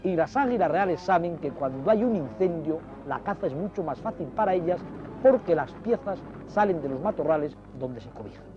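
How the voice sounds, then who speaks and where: A man's voice: on the high side, lively intonation, brisk, background noise. A man presents a nature documentary, explaining to viewers in ornate, dramatic storytelling phrases. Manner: didactic, addressing viewers directly. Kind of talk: nature documentary commentary, explaining over film footage. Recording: dull vintage TV audio, music behind. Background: music.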